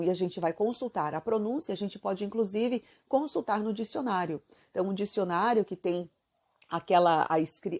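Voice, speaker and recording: A woman's voice: lowish voice, creaky, a little mellow. A woman from southern Brazil with a Santa Catarina accent, teaching Italian in a chatty video lesson and asking the viewer lots of questions. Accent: Santa Catarina Brazilian Portuguese. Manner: chatty, asks the viewer many questions, many fillers.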